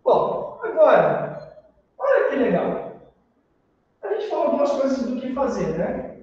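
High-voiced Brazilian teacher in an echoey classroom. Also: male voice, unhurried, slight background noise. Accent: Brazilian Portuguese. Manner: animated storytelling, acts out customers and clerks. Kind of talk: classroom lecture on customer service. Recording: echoey room, far from the mic, dull sound.

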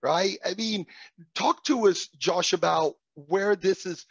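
A middle-aged man whose first language is Italian, hosting a guided conversation over a video call, animated and poking fun at himself. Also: sits high, takes it slowly, husky, dry recording. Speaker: host. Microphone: webcam on a video call. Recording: dull lo-fi video call audio.

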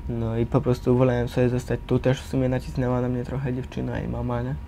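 A man's voice: mid-range voice, completely flat delivery, quick pace, gravelly, mellow. A young man giving a candid, casual account in slangy speech full of tag questions. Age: teenager or young adult. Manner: slangy, tags phrases with a questioning filler. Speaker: resident of a youth care centre. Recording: faint background noise.

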